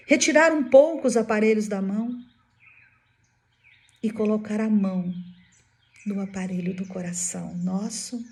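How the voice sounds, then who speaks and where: A woman giving a spiritist devotional talk, telling a story dramatically with sudden hushed drops. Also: medium pitch. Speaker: spiritist speaker.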